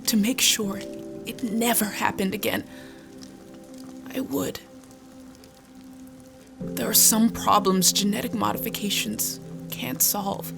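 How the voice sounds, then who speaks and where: Gentle, creaky-voiced stateswoman, slow and measured. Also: mid-range voice. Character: calm, compassionate woman politician and devoted mother. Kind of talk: audio fiction drama acting.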